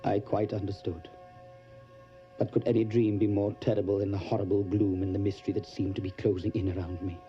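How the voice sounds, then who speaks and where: Guy doing nervous english lawyer in an audio drama, fretful broken phrases, scared n earnest, kinda muffled recording w loud music. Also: on the low side, natural voice. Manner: halting, fretful, earnest, breaking phrases with dread. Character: anxious English solicitor, a haunted, frightened male guest. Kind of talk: audio drama acting with diary narration.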